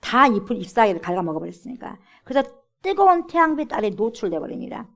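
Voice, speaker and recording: A woman's voice: a little high, big pitch swings, fast talker, fairly bright tone. A woman pastor delivers an emphatic sermon in a church. She keeps calling out to her congregation and drives her points home with direct questions. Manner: emphatic, repeatedly addresses the congregation as 여러분. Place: church sanctuary.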